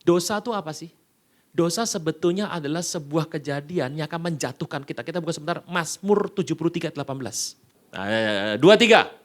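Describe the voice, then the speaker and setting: A male pastor preaching a sermon in a casual, colloquial way, telling stories with sudden jumps between loud bursts and hushed asides. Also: on the high side, fast talker. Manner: animated storytelling with sudden loud and hushed swings.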